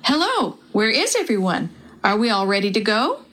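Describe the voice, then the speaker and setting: A woman voicing a jolly, steady father of two, calm and thoughtful in tone. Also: mid-range voice, normal speed, close to an everyday voice. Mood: cheerful.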